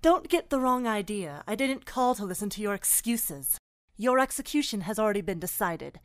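A woman's voice: medium pitch, expressive, moderate pace, no room sound, clean studio sound, natural voice. A woman voicing a stern, commanding older schoolgirl with formal severity, in an anime fan dub. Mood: cold fury. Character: stern, imperious older schoolgirl passing sentence.

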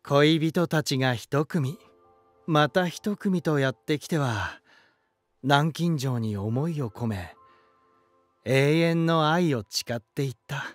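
An actor playing an elegant, romantic lighthouse spirit in a voice drama, gentle and warm, with poetic, softly teasing delivery. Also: male voice, on the high side, slow, no room sound. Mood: wistful, fond. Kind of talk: Japanese voice drama monologue and dialogue. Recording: music behind. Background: music.

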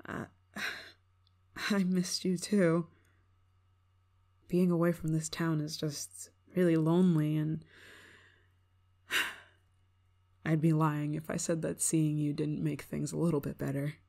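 A woman's voice: low-pitched, flat delivery, takes it slowly, creaky, long pauses, dark tone, full character voice. A woman playing a prickly, homesick young performer in an ASMR roleplay, grudging in manner but secretly fond of an old friend. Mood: tender, wistful. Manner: tsundere, grudging, sighing, secretly affectionate. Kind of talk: ASMR roleplay, acted monologue to listener.

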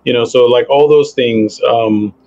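A man's voice: medium pitch, a little slow, dull audio. Rambling man in his forties on headset. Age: 40s. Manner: relaxed, rambling, many fillers. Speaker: guest. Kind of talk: casual interview over video call. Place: home office with bookshelves.

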